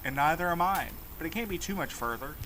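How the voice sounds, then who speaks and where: A man's voice: on the high side, animated, fast, background noise, close to an everyday voice. A man acting as a reluctant mail carrier in an audio drama. He is curious but unsure of himself, with a casual sardonic edge. Noticeable background ambience runs behind his voice. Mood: wry, defensive.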